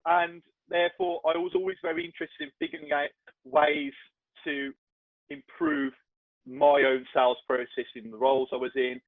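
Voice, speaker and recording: On a casual podcast, a male guest from the Black Country talks chattily and pokes fun at himself, often starting over. His voice sits on the high side with big swings in pitch and some vocal fry, at a normal speed. The audio is thin and phone-like, dry with no echo.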